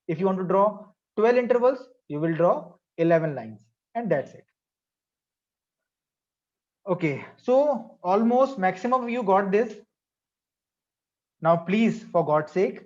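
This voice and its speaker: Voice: medium pitch, expressive, slow, pauses often, a little mellow, muffled recording. A teacher with a South Asian accent leading an interactive online maths class, repeating phrases and questions to prompt pupils.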